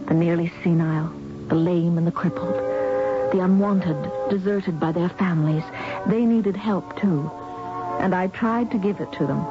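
A woman's voice: lowish voice, moderate pace, over loud music, close to an everyday voice. An actress playing an earnest, tender, devoted young woman in a 1970s radio drama. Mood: reflective narration. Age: young adult. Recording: muffled, noisy old radio recording.

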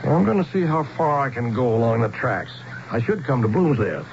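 A man's voice: mid-range voice, very animated, brisk, darkish tone, slight background noise. Wary stranded businessman, muffled radio drama. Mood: worried, reflective. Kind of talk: 1970s radio drama acting and first-person narration. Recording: muffled old radio broadcast with music.

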